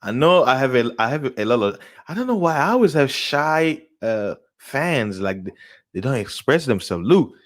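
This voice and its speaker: A man hosting his own live show, rambling in casual talk, laughing often and jumping up loud and high when excited. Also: moderate pace. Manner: rambling, laughs often, many fillers and restarts. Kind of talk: casual live-stream rant.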